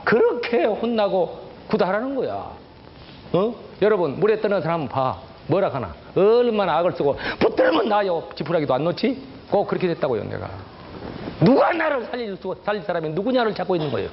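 A man's voice: sits high, big pitch swings, a little fast, slight background noise. An older man, a church elder, telling his testimony to a congregation, acting out the voices of people in his story and speaking straight to his listeners. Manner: dramatic storytelling, acts out quoted voices, addresses audience. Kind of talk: testimony sermon. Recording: dull recording with faint ambience.

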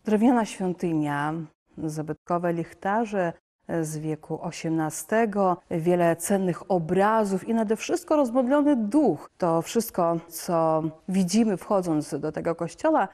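Dark-voiced female presenter in a reverberant church. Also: on the low side, animated, a little slow. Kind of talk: scripted presentation. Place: inside a wooden church.

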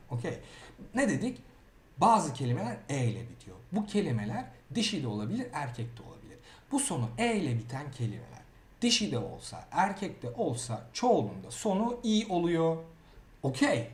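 A Turkish-speaking man teaching grammar in a lively way, often checking in with the learner. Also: on the high side, brisk, roomy sound. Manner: lively, repeats words and asks "okey?". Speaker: Italian teacher. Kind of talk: grammar lesson.

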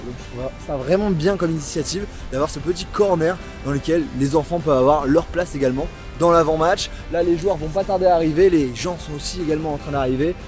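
A man's voice: on the high side, fast, hardly any pauses, darkish tone, faint music behind. A young man in his twenties, talking to a handheld camera as he walks around a football stadium, chatty and enthusiastic as he explains what he sees. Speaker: football vlogger. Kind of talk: casual walk-and-talk vlog narration. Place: outdoors around a football stadium, then in the stands. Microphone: handheld camera at arm's length.

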